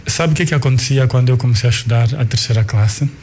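A man in his forties with an Angolan Portuguese accent and a mid-pitched voice. Kikongo is his first language, and he tells his story thoughtfully, pausing and restarting as he searches for words. A faint hiss of noise sits under the recording. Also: darkish tone. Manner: unhurried, restarts and repeats words while recalling. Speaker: guest, artist and cultural manager. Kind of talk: reflective life-story telling.

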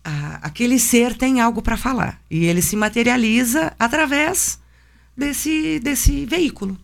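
A woman's voice: fairly high pitch, measured pace, vocal fry. A woman puppeteer, reflecting thoughtfully in an interview and searching for her words.

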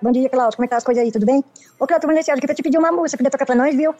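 High, rapid Brazilian woman caller. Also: dark tone, lo-fi sound. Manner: hurried, friendly song request.

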